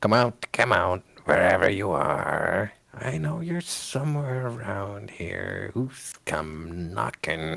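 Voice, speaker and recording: A man uses a put-on character voice, raspy and fairly low in pitch. He talks at a fairly slow pace with very wide pitch swings. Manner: mumbling.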